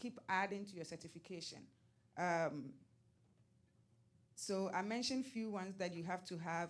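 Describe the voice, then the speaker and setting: With an African accent, a woman speaks at a moderate pace and medium pitch, her intonation lively. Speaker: laboratory scientist panelist. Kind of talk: panel talk.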